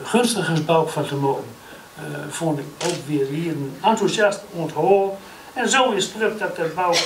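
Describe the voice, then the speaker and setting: Long, frequent pauses break up the speech, and the loudness swings widely. Noticeable background noise is present. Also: man. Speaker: regional-language writer. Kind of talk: award acceptance speech. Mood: warm, humorous thanks. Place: hall. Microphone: podium.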